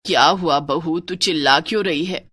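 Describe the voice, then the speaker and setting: A woman's voice: low-pitched, normal speed, a bit bright, no echo, studio quality, pitched below the performer's own voice. A woman voicing a scolding mother-in-law. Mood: worried. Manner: scolding, nagging. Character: stern scolding middle-aged mother-in-law.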